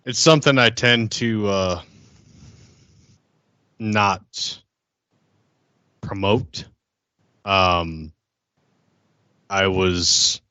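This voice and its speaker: Man acting warlock lawman, tabletop game, deliberate slow delivery, sharp edge, guarded, formal, dull recording. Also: low voice, clean tone, dry recording, heavily acted. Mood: reluctant. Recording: dull sound with faint music.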